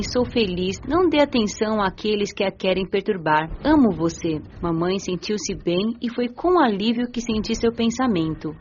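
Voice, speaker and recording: A woman playing a gentle, earnest young female spirit, narrating a dramatised audiobook in a measured, sincere way. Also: medium pitch, lightly acted. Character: gentle, earnest nineteen-year-old female spirit narrating her afterlife. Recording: dull lo-fi audio with music.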